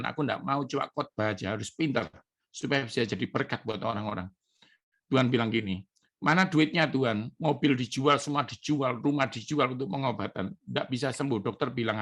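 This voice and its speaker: A man's voice: mid-range voice, fairly bright tone. A middle-aged man from Indonesia, a pastor preaching an emotional testimony sermon to his congregation. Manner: emotional, addresses congregation as brothers and sisters.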